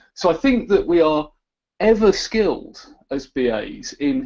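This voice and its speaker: Speaking fairly slowly with a British accent, a man lets his pitch swing very widely. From southern England, Portsmouth. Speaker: business analysis consultant and presenter. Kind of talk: webinar presentation. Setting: live online webinar.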